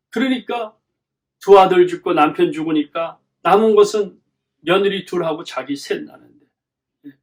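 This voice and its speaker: A middle-aged male pastor preaching a sermon, pressing his points with rhetorical questions and repeated lists. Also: fairly high pitch.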